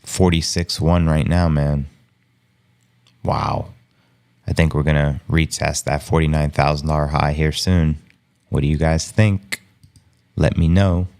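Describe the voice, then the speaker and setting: A man hosting a live stream in an extremely deep, flat voice. He talks slowly, keeping it hushed and low-key, and chuckles often. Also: gravelly. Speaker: livestream host. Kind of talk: casual live market commentary.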